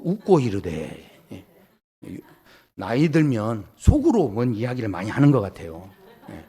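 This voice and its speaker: Preaching a Sunday sermon in a church sanctuary, a pastor plays around, joking with the congregation and acting out the voices of people he quotes. His voice is a little high, a little mellow and slightly rough.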